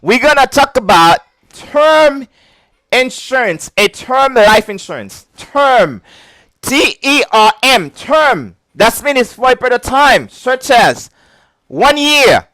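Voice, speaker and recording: A man's voice: very high voice, slow, no room sound, poor audio. A man with a heavy accent teaching an insurance licensing lesson, repeating key points and chuckling often. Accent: non-native English. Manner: repetitive, chuckling, animated teaching. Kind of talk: casual video lesson.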